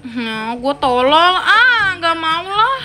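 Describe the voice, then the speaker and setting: A young woman giving excitable casual commentary while playing a mobile game at home, swearing and talking to herself and her viewers. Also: extremely high pitch, slow pace, faint music behind.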